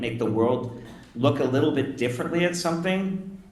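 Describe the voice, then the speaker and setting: A man talks with ordinary pitch variation, with audible room echo and noticeable background noise behind him. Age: 70s. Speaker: opera librettist. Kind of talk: Q&A discussion on stage. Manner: animated, emotional.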